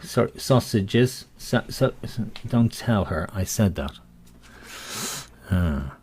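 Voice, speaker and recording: A man's voice: lowish voice, animated, takes it slowly, darkish tone, a little hiss or hum. A man working as a bingo caller, calling numbers with rhyming nicknames and chatting jokily in between in a rambling way.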